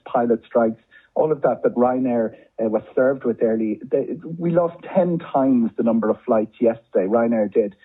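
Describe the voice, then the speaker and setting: A husky mid-range voice belongs to an Irish travel journalist chatting discursively as a guest, with plenty of repeated words for emphasis. The audio is narrow and tinny.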